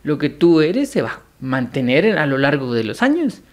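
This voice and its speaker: A man, musing philosophically in a relaxed podcast chat. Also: on the high side, moderate pace. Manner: musing, philosophical, slips into acted quotes. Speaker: podcast co-host. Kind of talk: casual reflective chat.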